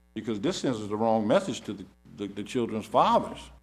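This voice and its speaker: A man at medium pitch, speaking at a very fast pace amid audible room echo. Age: 60s. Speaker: city council member. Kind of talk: council meeting debate. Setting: council chamber meeting.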